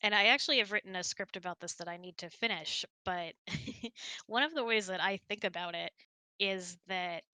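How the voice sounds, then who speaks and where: A woman's voice: mid-range voice, moderate pace, sharp tone, no room sound. A woman hosting a casual question-and-answer chat in an informal, giggly, chatty way. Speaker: host.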